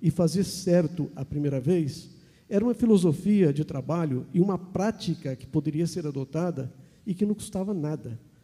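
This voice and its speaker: A man with a high pitch for his sex speaks at a moderate pace, his tone dark and mellow and his pitch varying in an ordinary way. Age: 60s. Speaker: industry association executive. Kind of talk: panel talk. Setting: stage with audience.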